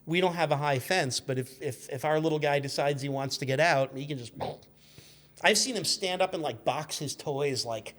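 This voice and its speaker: A man's voice: fairly high pitch, moderate pace, a bit bright, a little hiss or hum. A man chatting as a guest on a casual radio show, explaining things and telling anecdotes in a wry, dryly joking way, often interrupting himself.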